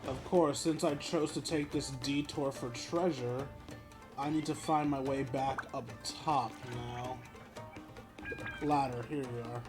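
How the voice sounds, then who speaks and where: A man's voice: medium pitch, steady tone, unhurried, over music. A man doing casual gameplay commentary as a streamer, musing aloud to himself and viewers. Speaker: video game streamer.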